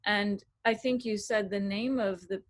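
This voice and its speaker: A woman's voice: mid-range voice, steady tone, unhurried. A woman moderator asking a curious, chatty question and hosting announcements. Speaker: session moderator. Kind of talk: casual discussion and hosting.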